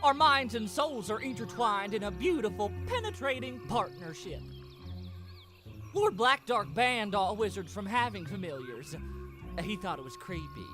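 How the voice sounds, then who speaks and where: An actor playing a flamboyant, melodramatic, effete wizard with a theatrical, swooning manner in a comic fantasy game. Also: male voice, high voice, big pitch swings, normal speed, music in the background. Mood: fussy, dramatic. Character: flamboyant, melodramatic, effete male wizard mourning his stolen familiar.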